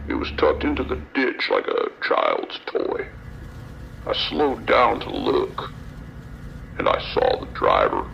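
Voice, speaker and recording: A man playing an eerie, morbidly fascinated trucker in a horror audio drama, savoring each phrase with slow, unhinged calm over a muffled CB radio. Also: on the low side, gravelly, full character voice. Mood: morbidly entranced. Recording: muffled CB radio with faint noise.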